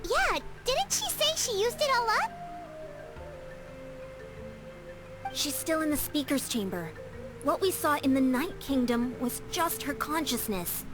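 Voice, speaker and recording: A woman voicing a small, chatty, excitable fairy companion girl with a squeaky childlike voice in a video game. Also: moderate pace, over music. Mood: eager. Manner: refers to self in third person. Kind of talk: animated video game dialogue.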